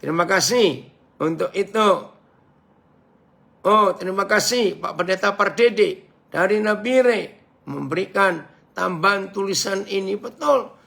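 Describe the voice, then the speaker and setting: A man preaching a sermon as a pastor, animated and talking straight to his listeners with frequent questions. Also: high voice, measured pace, vocal fry. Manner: animated, acts out shouted quotes; addresses listeners directly, asks questions.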